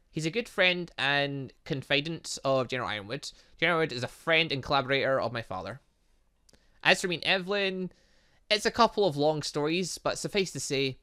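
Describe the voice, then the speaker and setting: A clean, bright, forceful male voice on the high side. He's a gaming video host playing through a story game, reading its lines aloud with casual asides and regularly stumbling and self-correcting.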